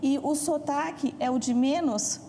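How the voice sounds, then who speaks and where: A Brazilian woman from Minas Gerais with a mixed Brazilian accent, a language expert guest explaining things in measured, deliberate phrases on a studio talk show. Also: high-pitched, warm tone, slight background noise. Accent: mixed Brazilian Portuguese, mineiro base.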